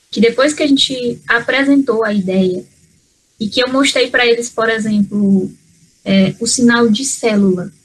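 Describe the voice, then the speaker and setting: A woman from Brazil talks on an online panel from home over a video call. Her voice sits a little high, and she speaks in an earnest, halting way, full of fillers and restarts. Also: breathy edge, rough recording. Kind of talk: spontaneous talk in an online panel.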